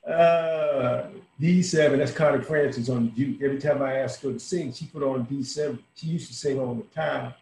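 A man's voice: mid-range voice, normal speed, vocal fry, a little mellow, close to an everyday voice. An actor in his sixties playing a dying, world-weary old bar owner in a folksy, salty, intimate dramatic monologue. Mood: wry, fond. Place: small room at home, indoors. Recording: roomy home webcam audio, faint hiss.

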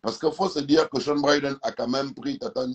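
A medium-pitched man from Gabon, a native Fang speaker, talks emphatically at a moderate pace as a live stream guest in a casual video-call debate. He's lying on a couch at home, holding his phone camera close, and often repeats words while searching for the right ones.

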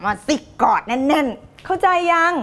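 A woman's voice: sits high, sing-song, measured pace, a bit bright. A middle-aged woman teaching on a live stream, reading viewer comments in a playful, theatrical way. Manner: playful and theatrical, laughing and putting on voices.

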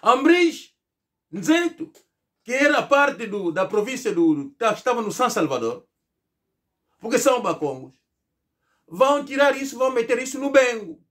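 A middle-aged man from Angola speaks to a fixed camera in a small indoor room, his voice pitched high. He delivers a rhetorical political monologue, stressing each point and mocking the replies he imagines. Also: very animated, normal speed, long pauses, a bit bright. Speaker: political commentator. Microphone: fixed camera, seated at medium distance.

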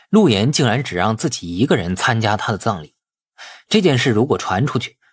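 A man's voice: mid-range voice, husky, dry recording, clean studio sound. A man narrating an audiobook as dramatic scripted storytelling.

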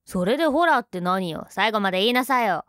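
A woman's voice: mid-range voice, lively intonation, fast, fairly bright tone, dry recording, studio quality, close to an everyday voice. A woman playing a young tsundere girlfriend in an ASMR role-play, huffy and sulky but affectionate underneath. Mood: huffy, scolding.

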